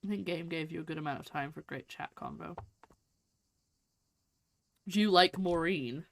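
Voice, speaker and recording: A woman's voice: deep voice, normal speed, vocal fry. A woman streamer giving casual gameplay commentary with chatty, playful asides. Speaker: game streamer.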